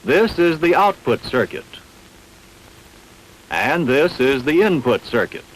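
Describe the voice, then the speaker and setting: A man reading scripted instructional narration in a measured, didactic, carefully enunciated way. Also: fairly high pitch, big pitch swings, low-quality recording. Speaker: training film narrator.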